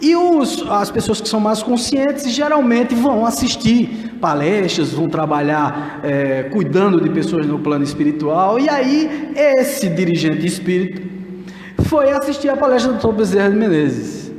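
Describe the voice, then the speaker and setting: A man's voice: high voice, lively intonation, moderate pace, a little mellow. A man giving a spiritist lecture from a pulpit, speaking earnestly and directly to the audience. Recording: echoey hall with long reverb.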